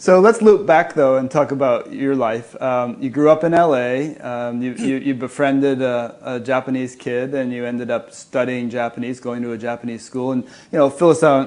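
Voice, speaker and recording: An American-accented man at a medium pitch talks at a moderate pace with hardly any pauses, over noticeable background noise. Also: ordinary pitch variation. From US Northeast, Connecticut. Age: 60s. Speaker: interviewer. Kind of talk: interview.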